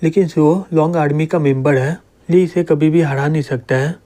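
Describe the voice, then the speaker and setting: A worried young woman who pleads with others to stop the fight, read by a man narrating a comic. The voice is mellow and a little high. It is read in a plain storytelling way. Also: fairly even intonation, moderate pace, lightly acted. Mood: pleading.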